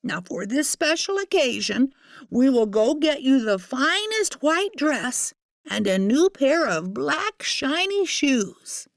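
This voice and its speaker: A storyteller plays a stern old lady from a fairytale. Her voice is high and swooping, and she speaks slowly, in a prim and commanding way, as a woman acts her out. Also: big pitch swings, dry recording, studio quality, heavily acted. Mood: instructing.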